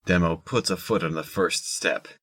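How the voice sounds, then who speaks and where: A man's voice: low voice, moderate pace, fairly bright tone, slightly rough, no echo. A man reading scripted third-person narration for an audio drama.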